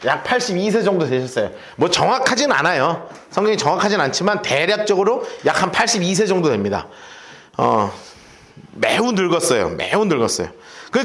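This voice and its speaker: A male pastor giving a Bible study sermon in a church, casual and colloquial, often acting out little scenes. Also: high-pitched. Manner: lively, colloquial, acts out scenes.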